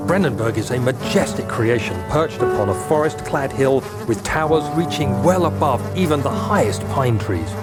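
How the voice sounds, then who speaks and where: A young diarist in a horror game. He speaks in formal, literate phrases at a middle pitch, measured and troubled. Music runs clearly behind him. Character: young Englishman writing a haunted, fearful travel diary. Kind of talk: dramatic diary narration.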